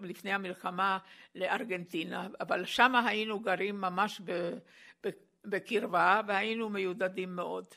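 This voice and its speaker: The recording is very clean, with a silent background. A woman speaks very slowly in a bright, sharp tone with fairly even intonation. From Slovakia, Bratislava. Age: 80s. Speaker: Holocaust survivor. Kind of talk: testimony. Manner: halting.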